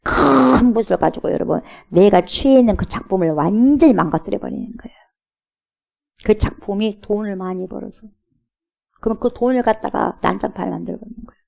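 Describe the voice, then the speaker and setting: A woman's voice: medium pitch, brisk, creaky, darkish tone. A middle-aged woman pastor preaching a sermon, telling a story and acting out its characters' lines, sometimes dropping to a whisper.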